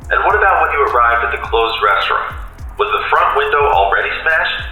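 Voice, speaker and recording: An actor playing a patient, plain-spoken police detective in an audio drama, with an earnest, coaxing, colloquial manner. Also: male voice, medium pitch, animated, fast, sharp tone, faint music behind. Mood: questioning. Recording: very echoey room.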